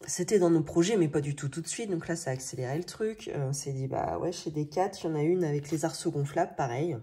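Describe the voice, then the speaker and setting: A woman in her thirties with a French accent chats casually, thinking aloud in colloquial speech with a slightly rough morning voice. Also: low voice, fast, dark tone. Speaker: budgeting video host. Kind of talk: casual chatty vlog narration. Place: indoors at a table. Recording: noisy home recording with clicks.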